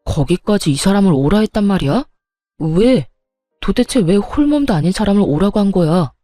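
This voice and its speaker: A woman's voice: mid-range voice, lively intonation, moderate pace, dark tone, dry recording, soft background music, natural voice. A woman voicing a young husband who reproaches his mother in an agitated way, in a storytelling reading. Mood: upset.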